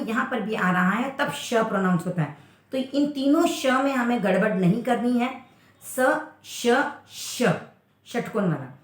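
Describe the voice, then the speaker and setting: A woman teaching pronunciation, slowing down to spell out words syllable by syllable. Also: fairly high pitch, reverberant. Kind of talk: pronunciation lesson.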